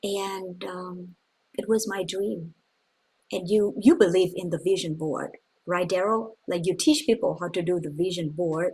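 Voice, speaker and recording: A woman with a Vietnamese accent speaks at a fairly slow pace and medium pitch, somewhat breathy, with ordinary pitch variation. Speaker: coach and speaker. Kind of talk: interview. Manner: halting.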